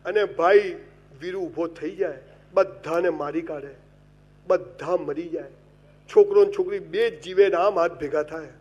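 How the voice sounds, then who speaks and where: Male motivational speaker, high-pitched, lively comic storyteller whose loudness jumps and drops as he talks to the crowd. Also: unhurried. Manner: animated comic storytelling with wide swings in loudness; addresses the audience directly and gives advice. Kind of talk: humorous motivational speech.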